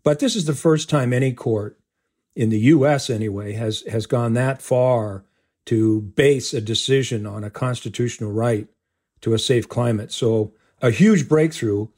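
A man's voice: medium pitch, a little mellow. Older male law professor explaining a ruling. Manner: deliberate, listing points, some restarts. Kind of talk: interview answers.

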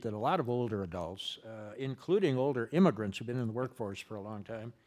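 A man hosting and moderating an interview in a measured, conversational way. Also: medium pitch, a little mellow. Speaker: host.

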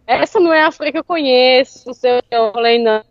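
A woman telling a story in casual chat, animated and often laughing. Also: high-pitched, quick pace, no echo, highs cut off. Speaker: interview guest.

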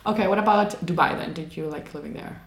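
A woman's voice: fairly low pitch, quick pace. A woman interviewer chatting casually and asking probing questions. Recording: roomy echo.

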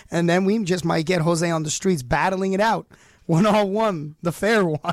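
Hoarse, high-voiced hyped radio host man. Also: dry recording, studio quality. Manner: showy, joking, rapid riffing introductions. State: hoarse, losing his voice. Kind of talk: playful, hyped radio banter. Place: community radio studio. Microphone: studio microphone.

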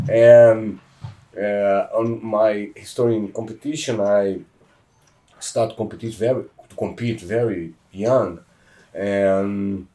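A man's voice: fairly low pitch, fairly even intonation, slow, dark tone, recorded from a distance. A middle-aged Brazilian man, a jiu-jitsu black belt, telling stories in emphatic, broken English with a heavy Brazilian accent. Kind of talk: casual interview.

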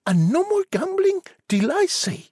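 A storyteller voicing the young girl Snow White in a high, excited voice. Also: unhurried, dry recording, clean studio sound, heavily acted. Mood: bossy. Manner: high-pitched.

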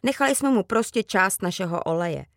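A woman reading a children's book aloud with calm, even storytelling. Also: medium pitch, no room sound, studio quality. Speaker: reader.

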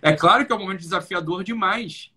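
Man, live stream host, blunt and insistent, bright and sharp tone. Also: sits high, fast talker, husky. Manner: insistent, repetitive, blunt with swearing. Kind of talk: emphatic casual talk.

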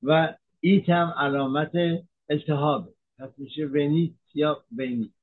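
A man, a physician from Iran, giving a measured health talk that explains medical terms, with frequent hesitations. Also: fairly high pitch, steady tone, narrow, tinny audio.

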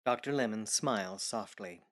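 A man's voice: on the low side, moderate pace. A man reading scripted present-tense scene narration for an audio drama.

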